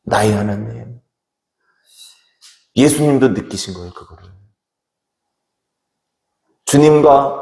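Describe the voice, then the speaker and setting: A male pastor preaching a sermon with emphatic delivery, swinging from loud declarations to hushed words. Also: a little high. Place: church sanctuary. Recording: reverberant church hall.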